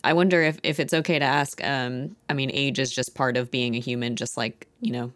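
A woman in her thirties hosts an interview over a video call, her voice on the low side. The sound is dry and close. She talks chattily and breaks into laughter easily. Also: fairly even intonation, brisk, fairly bright tone, no echo. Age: 30s. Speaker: podcast host. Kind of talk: casual interview chat.

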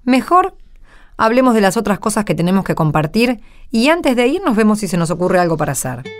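Casting: actress as plain-spoken Argentine village woman, middle pitch, hesitant and discouraged, radio play. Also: sing-song, fairly quick, faint music behind, natural voice. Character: modest, discouraged rural married woman neighbour. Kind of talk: radio drama dialogue.

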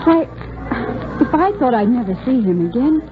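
An earnest young shop clerk. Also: female voice, a little high, very animated, moderate pace, a crowd in the background. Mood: tender. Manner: earnest, pleading. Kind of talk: 1940s radio acting. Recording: tinny noisy old radio broadcast.

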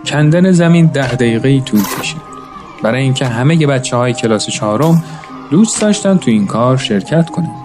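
A man narrating a story in a calm, measured way, now and then addressing his listeners as friends. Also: medium pitch, music in the background. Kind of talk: scripted narration.

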